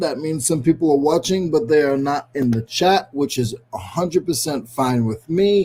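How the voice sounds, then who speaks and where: The speaker has a New England accent and lively intonation. The pace is fairly slow. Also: man. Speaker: online reseller livestreaming. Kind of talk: casual live stream chat. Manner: loud.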